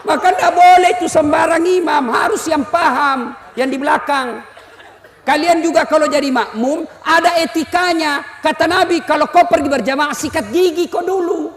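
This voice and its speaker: A man's voice: very high voice, normal speed. A middle-aged man preaching a humorous sermon, telling stories animatedly and acting out the people in them. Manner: animated storytelling, acts out characters, frequent laughter. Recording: long hall reverb.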